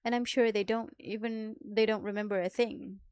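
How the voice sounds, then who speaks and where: A woman's voice: medium pitch, fairly even intonation, moderate pace, a little mellow, clean tone, no room sound, clean studio sound, lightly acted. A woman voicing formal, brooding visual novel characters in a dramatic reading. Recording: music behind the voice.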